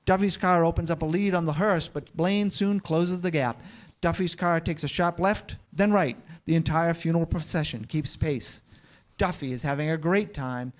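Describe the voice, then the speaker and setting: A man's voice: a little high, normal speed. A man narrating scripted action as the narrator of a staged comedy screenplay reading.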